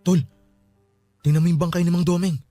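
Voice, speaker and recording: A man's voice: high-pitched, flat delivery, fairly quick, mellow, no room sound. An actor playing a superstitious young man at a wake in a radio drama. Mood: uneasy. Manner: casual, superstitious talk. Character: young man friend at a wake, jumpy, sees spirits. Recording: faint music under the voice.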